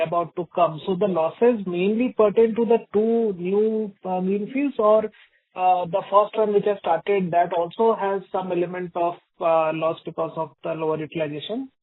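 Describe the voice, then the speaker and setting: A man asking detailed questions as an analyst on an earnings call. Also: high-pitched. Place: telephone conference call. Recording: dull narrowband phone line.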